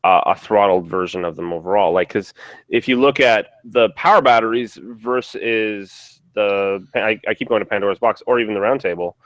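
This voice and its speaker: Low-voiced man hosting a podcast. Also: moderate pace, no room sound, dull audio. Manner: relaxed, rambling, with many fillers and restarts. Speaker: podcast host. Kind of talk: casual chat about a tabletop game.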